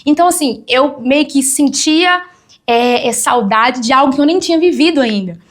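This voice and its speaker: Woman, young adult, high voice, lively storyteller, quotes people in their voices. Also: moderate pace. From Brazil. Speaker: guest sharing testimony. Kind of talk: church talk show testimony.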